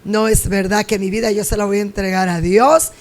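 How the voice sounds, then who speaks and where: A woman's voice: mid-range voice, steady tone, fairly quick. A woman pastor hosting a Christian interview, speaking in a preachy, exhorting way. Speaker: pastor and host.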